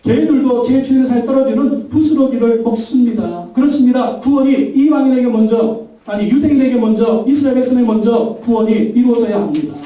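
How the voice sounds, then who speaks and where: High-voiced Korean pastor preaching in echoey hall. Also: male voice, fairly quick, mellow. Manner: emphatic preaching with call-and-response. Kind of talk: Sunday sermon. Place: large church sanctuary. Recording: very echoey church hall, mic at a distance.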